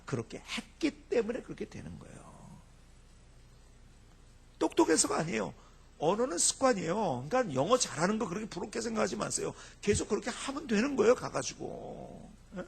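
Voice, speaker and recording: A middle-aged pastor from Chungcheong, South Korea, tells funny stories during a revival sermon in a church sanctuary, mimicking people's dialect and quoting them with animated flair. His voice is high, gravelly and husky.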